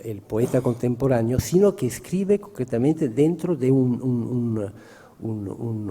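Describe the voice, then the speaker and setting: A man's voice: medium pitch, warm tone. A man whose first language is Italian, speaking at a round-table discussion in a hesitant, reflective way with many restarts. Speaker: panelist poet. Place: large historic hall. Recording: reverberant hall.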